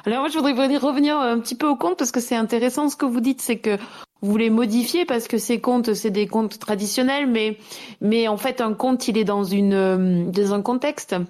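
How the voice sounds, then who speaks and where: A woman's voice: fairly high pitch, fairly quick, darkish tone. A woman interviewer asking long, thoughtful questions and rephrasing as she goes.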